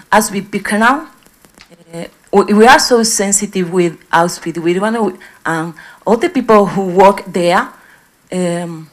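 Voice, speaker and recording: A woman from southern Spain with a Spanish accent, speaking from the floor of a lecture hall into a handheld mic in halting English, with many fillers and restarts. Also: on the low side. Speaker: audience member. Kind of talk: question from the floor.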